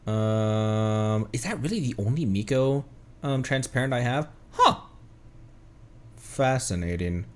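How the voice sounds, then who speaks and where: A man streaming a game, talking casually to viewers in an animated, rambling way and muttering to himself. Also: medium pitch, takes it slowly. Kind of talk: casual livestream gaming chat with viewers.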